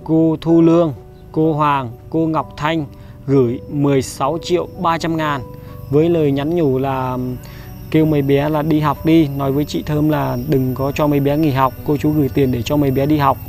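Gravelly man host. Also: fairly high pitch, little pitch movement, darkish tone. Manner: brisk, coaxing and reassuring. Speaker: vlog host handing out charity money. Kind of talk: reading a donor list, then casual talk. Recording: light background music.

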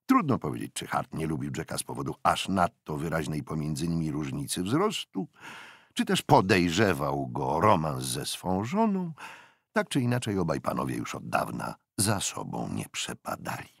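A man's voice: a bass voice, moderate pace, vocal fry, slightly rough, no echo, clean studio sound. A man narrating an audiobook expressively and performing its characters. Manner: expressive storytelling, many character voices. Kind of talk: scripted narration.

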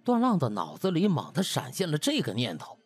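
A male audiobook narrator tells a comic story in colloquial, theatrical fashion. His slightly husky, higher-set voice swings widely in pitch, with faint music underneath. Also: wildly swooping pitch, a little fast. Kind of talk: dramatized storytelling of comic web novel.

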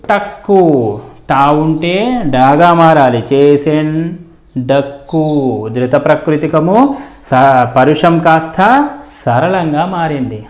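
Man teaching grammar, high voice, echoey. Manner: repeats terms and examples slowly, asks and answers own questions. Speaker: Telugu teacher. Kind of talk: explanatory grammar lesson.

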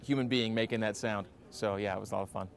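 Forties male announcer, low voice, easygoing interview answers, faint hiss underneath. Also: fast, creaky. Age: 40s. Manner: relaxed, reflective, many fillers. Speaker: play-by-play radio announcer. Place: empty indoor basketball arena.

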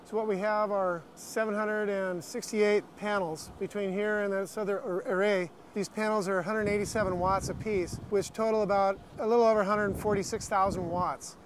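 High-voiced American man giving a tour. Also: fairly even intonation, normal speed, hardly any pauses, a little hiss or hum. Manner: practical, explanatory. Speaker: brewery staff giving a tour. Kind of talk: unscripted walk-through explanation. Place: on a walking tour around an industrial brewery, much of it outdoors.

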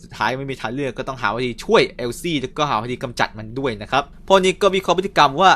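A young man casually recapping and reviewing a cartoon episode, chatty with quick asides. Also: mid-range voice, expressive, a bit bright.

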